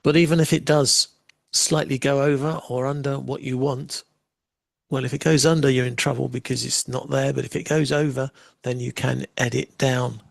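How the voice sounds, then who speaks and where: A man hosting a live software demo, chatting casually and making wry asides while he waits. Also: mid-range voice, flat delivery, moderate pace, vocal fry, no room sound. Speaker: livestream host demoing software.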